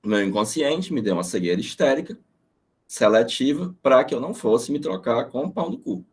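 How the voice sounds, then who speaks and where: A man's voice: mid-range voice, a little fast. A middle-aged man from Brazil teaching an informal online class, telling casual, profane stories. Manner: animated storytelling, casual and profane.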